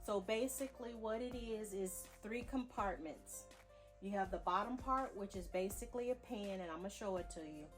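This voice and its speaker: A woman's voice: medium pitch, moderate pace, faint music behind. A woman vlogger speaking in a casual, folksy instructional way, addressing her viewers directly as she explains things step by step. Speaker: homesteading vlogger demonstrating home canning.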